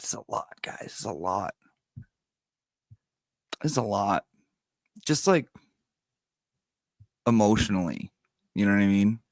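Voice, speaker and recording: A man's voice: fairly low pitch, expressive, takes it slowly, pauses often, dry recording. A man with whistling s sounds, chatting casually as a livestream host and reading out viewer messages.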